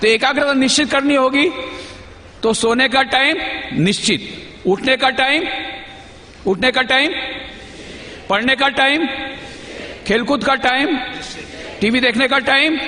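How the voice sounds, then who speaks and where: A man's voice: very high-pitched, measured pace, long pauses, sharp tone, slight background noise. A man, a monk, giving a teacherly talk to a youth gathering, asking the audience questions and repeating key phrases. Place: large hall at a convention. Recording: echoey hall with long reverb.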